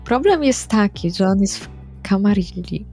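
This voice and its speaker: A woman's voice: medium pitch, lively intonation, normal speed, mellow. A woman roleplaying casually in a tabletop game, with a playful, informal way of talking. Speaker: tabletop RPG player. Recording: music behind the voice.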